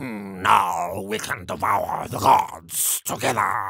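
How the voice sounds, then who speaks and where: A man's put-on character voice, growling and raspy, fairly low in pitch and fairly slow in pace. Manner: irregular, unnatural rhythm.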